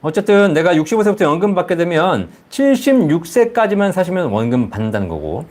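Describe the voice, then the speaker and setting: A man's voice: high voice, big pitch swings, a little fast, darkish tone. A man hosting a live advice stream, explaining things to viewers and often checking in with rhetorical questions. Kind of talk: live call-in style financial advice, answering viewer comments.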